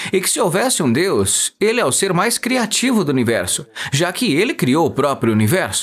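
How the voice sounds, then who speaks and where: A man speaks at a moderate pace in a high pitch, his voice swinging very widely in pitch over noticeable background noise. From El Salvador, then US. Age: 60s. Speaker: pastor. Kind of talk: interview.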